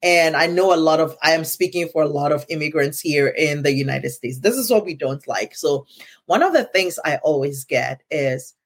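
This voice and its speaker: A woman's voice: low-pitched, expressive, moderate pace. A middle-aged woman with a Ghanaian accent, hosting a casual conversation in an earnest tone and often checking in with "right?". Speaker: podcast host.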